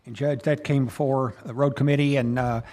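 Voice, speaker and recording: An American man, a county official, making motions and explaining them in halting, unscripted meeting talk. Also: medium pitch, steady tone, a little mellow. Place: local government meeting room.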